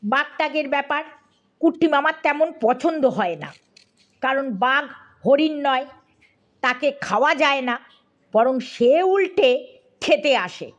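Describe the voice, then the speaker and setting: Woman narrator for a funny audiobook story; high, unhurried, playful delivery. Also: highs cut off. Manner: lively, comic, addressing listener.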